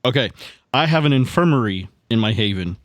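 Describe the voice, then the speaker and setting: A man talking casually as a player at a tabletop game, halting and repeating his words as he thinks aloud. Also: medium pitch, lively intonation, no room sound.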